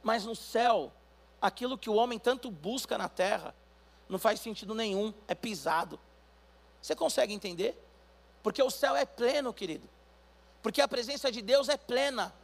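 A man with a Brazilian Portuguese accent preaching a sermon as pastor, building to loud emphatic calls for the congregation to respond. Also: very high voice, moderate pace, vocal fry.

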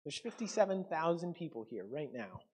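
A man's voice: on the high side, sing-song, normal speed, slightly rough. A man from Canada preaching a conversational sermon to his congregation, with frequent ums and self-corrections. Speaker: pastor.

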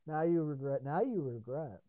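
A man with a fairly high voice hosts a podcast, chatting casually while he swears, wanders off topic and laughs frequently. Hours of talking have left him sounding tired. The audio has no room sound but comes through a tinny, phone-like line.

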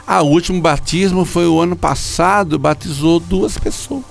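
A man doing a smug small-church member, raised voice, breezy and self-satisfied, gravelly. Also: fairly high pitch, normal speed, soft background music, pitched above the performer's own voice.

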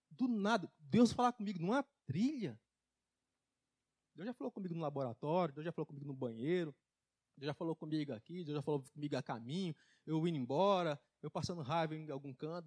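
A man preaching a folksy testimony sermon in church, emphatic, with loudness and pitch that swing widely. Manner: folksy, laughs at his own jokes. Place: church service.

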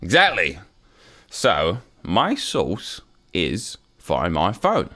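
A man doing a forceful Cockney paparazzo. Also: low voice, huge pitch swings, drawn-out words, full character voice.

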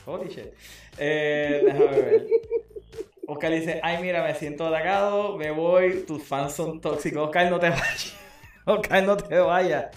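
Man, podcast host, animated casual chat, echoey room. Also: a little high, a little slow. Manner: animated, mixes English phrases into Spanish. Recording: roomy echo with faint music.

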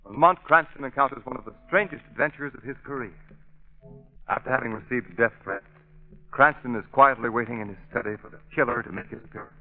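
A man's voice: mid-range voice, fast talker. Old time radio announcer guy, polished and punchy, thin phone-like sound. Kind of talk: 1930s radio announcing, scripted. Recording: tinny vintage radio, faint music.

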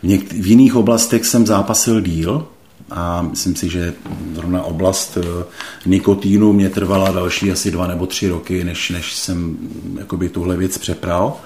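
A middle-aged man slowly and thoughtfully recounting a personal faith experience, hesitating often. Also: low voice, fairly even intonation, a little mellow, a little hiss or hum. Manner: slow, hesitant, thoughtful, many pauses and fillers. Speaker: interview guest. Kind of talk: reflective personal testimony.

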